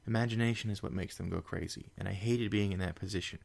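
A man voicing a panicky young female unicorn scholar in a fan story reading, raising his voice high. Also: steady tone, fast, gravelly, a little mellow. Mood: confessional. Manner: frantic, high-pitched and breathless.

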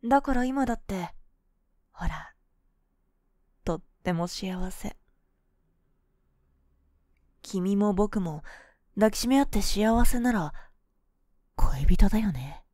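A woman takes on the role of a cool, boyish young woman, a possessive, sweetly manipulative lover, in ASMR intimate pillow talk, soft, breathy and coaxing on a close, dry mic. Her pitch is medium with lively intonation; she takes it slowly and pauses often, with no echo.

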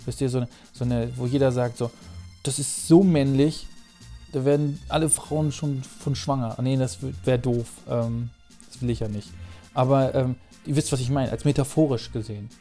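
A man's voice: mid-range voice, fairly even intonation, fairly quick, warm tone, soft background music. A man chatting and joking in a self-mocking way as he comments on a video game. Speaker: let's play commentator. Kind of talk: casual gameplay commentary.

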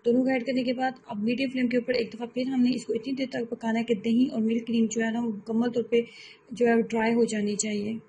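Woman, cooking host, recipe voice-over, flat even delivery, mellow tone, faint background hiss. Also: on the high side, fast talker, low-quality recording. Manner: steady, explanatory, repeats steps.

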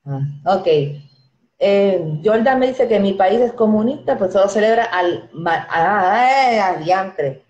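Speaking slowly in a mid-range, animated and slightly mellow voice, this thirty-something woman from the Dominican Republic chats warmly through her live stream, reading out viewers' names and comments and laughing readily. She has a Dominican Spanish accent. An earphone headset mic in a small, echoey indoor room gives a muffled recording.

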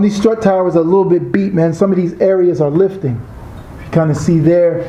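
A man's voice: a little high, warm tone, dull audio, a little hiss or hum. A man casually talking through his car restoration work in a garage and a junkyard, in a laid-back, slangy, rambling way, on a body-worn camera. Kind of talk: casual how-to commentary. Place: garage workshop and outdoor junkyard.

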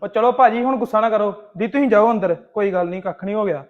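An actor playing a younger brother who soothes and calms his family. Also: high-pitched, fast, lightly acted. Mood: placating. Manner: soothing, peacemaking. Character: placating younger brother, young adult man. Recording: dull lo-fi recording.

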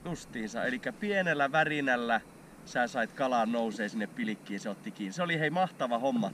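This fishing channel host, a man in his thirties, keeps things casual and enthusiastic on camera, out on a frozen lake and then inside at a kitchen table. His mid-range voice is expressive and a bit bright, with a little hiss or hum in the recording.

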